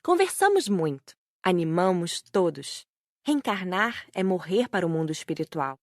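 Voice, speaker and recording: A woman's voice: lowish voice, sing-song, normal speed, no room sound, studio quality. A woman reading scripted first-person narration as an audiobook narrator.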